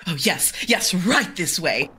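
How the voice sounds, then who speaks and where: A woman's voice: on the low side, very animated, takes it slowly, noisy background. A woman playing a grand, theatrical fortune teller. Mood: surprised. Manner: grand, dramatic, mystical pronouncements. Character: theatrical middle-aged woman spiritual medium. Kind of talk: audio drama acting.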